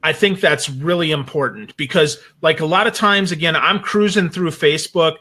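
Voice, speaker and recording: A man with a fairly high-pitched, very bright and forceful voice speaks as a guest on a casual talk show. He is conversational and opinionated, landing his points with emphasis. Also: moderate pace. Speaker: guest commentator on social media marketing.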